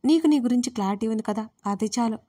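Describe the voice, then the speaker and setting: A woman's voice: on the high side, fast talker, mellow, natural voice. A woman voicing a blunt, protective older sister who speaks firmly and scolds. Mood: stern. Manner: firm and scolding.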